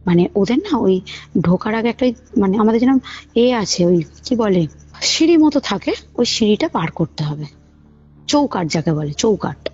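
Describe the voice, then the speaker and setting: Female caller, husky voice, casual animated storytelling, dull phone audio with music under it. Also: mid-range voice. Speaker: caller telling a personal ghost experience. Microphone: phone call. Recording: muffled phone call recording, music underneath. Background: background music.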